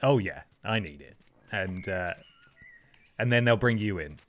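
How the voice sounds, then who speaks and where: A man hosting a live stream, chatting casually while playing a game, animated, laughing and swearing at it. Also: fairly low pitch, a little slow. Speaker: streamer host.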